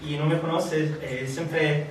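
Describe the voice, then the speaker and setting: A man preaching and praying in a church, born in Italy, halting with many fillers and restarts. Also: on the high side, level tone, a little hiss or hum. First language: Italian or Filipino language. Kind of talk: sermon and prayer. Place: church hall. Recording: echoey hall, from far off.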